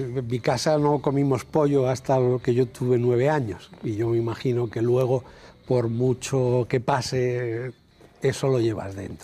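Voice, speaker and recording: Dark and mellow in tone, a man's voice sits at a medium pitch. He speaks at a fairly slow pace. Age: 60s. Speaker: film director. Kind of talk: TV interview.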